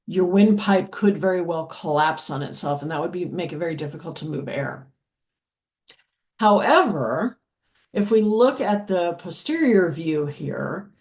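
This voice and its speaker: Slow, deep-voiced woman teaching anatomy. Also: a little mellow. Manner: patient, checks in with "okay?" and many "um"s. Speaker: anatomy instructor. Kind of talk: slow explanatory lecture over diagrams.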